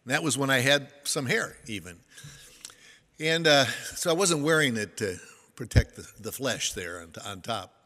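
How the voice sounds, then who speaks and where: A man's voice: medium pitch, expressive, moderate pace, sharp tone, big-room sound. An older man giving a sermon to a congregation, telling stories in a folksy, self-deprecating way. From United States. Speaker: pastor.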